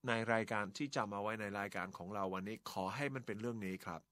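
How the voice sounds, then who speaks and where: A man teaching English on a radio show, explaining grammar in lively mixed Thai and English. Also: lowish voice, quick pace. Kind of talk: bilingual radio English lesson. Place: radio studio.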